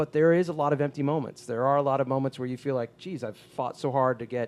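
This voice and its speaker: In an American accent, a normal speaking voice moves at a fairly quick pace with fairly even intonation. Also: man. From Ohio, US Midwest. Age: 40s. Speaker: podcast host. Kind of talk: podcast interview.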